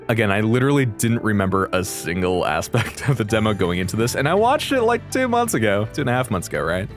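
A young man giving casual, crude reaction commentary in a gushing, playful, slangy way, swearing freely. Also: medium pitch. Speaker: video game reaction and ranking host. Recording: music behind the voice. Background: game trailer music.

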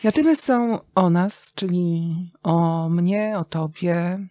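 A woman speaking as an interview guest, reflective and conversational, with thoughtful, halting phrasing and pauses. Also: fairly low pitch, dark tone, no room sound. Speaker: interview guest, writer and radio journalist.

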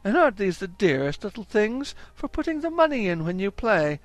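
A man's voice: sits high, very animated, a little fast, dry recording, pitched above the performer's own voice. A man voicing a blasé, superior little girl in a read-aloud story.

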